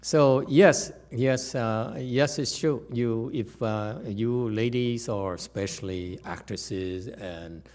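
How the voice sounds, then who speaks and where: A man teaching as a Buddhist master, answering questions in a halting way with long hesitations and repeated words. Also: mid-range voice, darkish tone.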